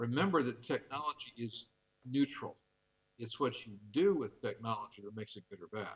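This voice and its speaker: This man speaks with an American accent at a medium pitch and a fairly quick pace, sounding somewhat breathy. His intonation is lively, and his loudness swings widely. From US, San Francisco. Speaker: creation scientist answering viewer questions. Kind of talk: live TV Q&A answer. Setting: remote link on live TV.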